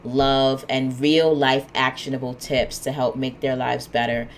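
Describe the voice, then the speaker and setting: Very low-voiced woman with a cold. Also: unhurried, a little hiss or hum. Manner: relaxed, rambling, many "um"s and asides. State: has a cold, sniffly. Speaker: podcast host. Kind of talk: solo podcast monologue.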